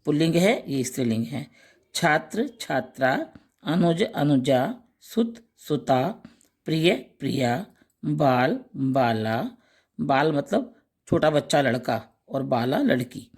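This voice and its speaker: A man teaching a grammar lesson, slowly reciting pairs of words one by one and adding short explanations. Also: a little high, animated, a little mellow. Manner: slow, deliberate recitation of word lists with brief explanations.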